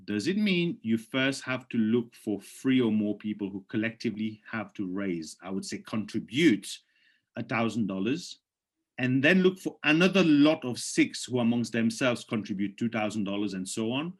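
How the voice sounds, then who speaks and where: On a video call, a man gives a webinar presentation and then takes questions from the chat live. His voice sits on the low side and moves at a normal speed, persuasive and emphatic, jumping up sharply on key points. He sounds hoarse and clears his throat now and then.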